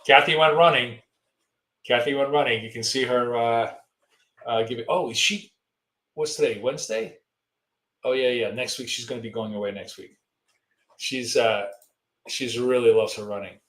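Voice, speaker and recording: A hoarse man talks through a live trading stream in a casual, rambling way, stopping to answer viewer questions. His voice sits at an ordinary middle pitch, and the room around him rings with a noticeable echo. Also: moderate pace, long pauses, fairly bright tone. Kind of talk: live-stream market commentary.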